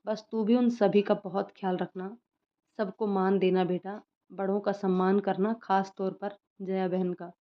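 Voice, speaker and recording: A woman's voice: medium pitch, little pitch movement, measured pace, close to an everyday voice. A woman voicing a soothing, loving mother. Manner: soothing and tender. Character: loving middle-aged mother, emotional. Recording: slightly muffled lo-fi recording.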